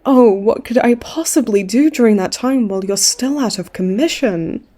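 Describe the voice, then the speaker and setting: Smug, mellow-voiced flirty villainess played by a woman. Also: a little high, moderate pace, lightly acted. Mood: smug, mocking. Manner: teasing, mock-sweet, theatrical taunting. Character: smug flirtatious female supervillain in her late twenties, hospitalized. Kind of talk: comedic audio roleplay acting.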